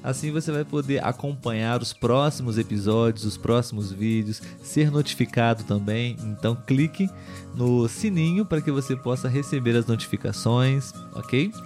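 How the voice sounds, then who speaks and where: A Brazilian man hosting a casual chat podcast for language learners, speaking clearly and in a friendly way. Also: medium pitch, normal speed, darkish tone, soft background music. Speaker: podcast host.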